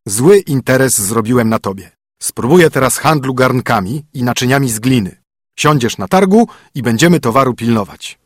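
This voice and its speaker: A stern young king in fiddler's disguise, giving orders firmly and loudly, as a man reading the tale acts him out. The voice is a touch husky and dry, close to the mic. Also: mid-range voice, expressive, normal speed, dry recording, natural voice. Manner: commanding, firm. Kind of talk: storybook reading.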